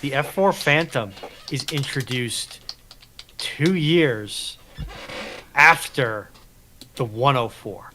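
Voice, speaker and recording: Man explaining insistently over clear background noise. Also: mid-range voice, lively intonation, takes it slowly, pauses often, bright, forceful tone. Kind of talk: casual panel discussion of military history.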